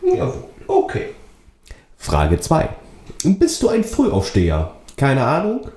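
A man's voice: medium pitch, wildly swooping pitch, slow pace, darkish tone. A man co-hosting a casual podcast, hesitant with many fillers, reading quiz questions aloud. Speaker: podcast co-host. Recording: roomy, echoey sound.

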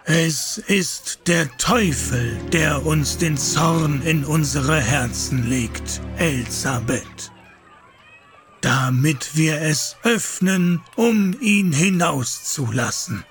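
An actor playing a calm, controlling priest who preaches in a measured, patronising way in a German radio play. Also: male voice, on the high side, music in the background. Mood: sanctimonious.

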